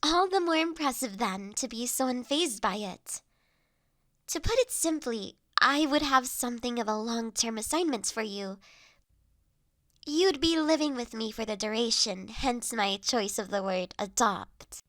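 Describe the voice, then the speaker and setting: A woman performs a courteous, gentle lady in an intimate audio drama. Her voice sits high and she takes her time, with formal phrasing and soft, hesitant pauses. The sound is dry, with no room around it. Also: animated, no room sound. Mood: earnest, gently teasing. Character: polite, gentle human woman seeking to adopt an automaton. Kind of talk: scripted audio roleplay, intimate and conversational.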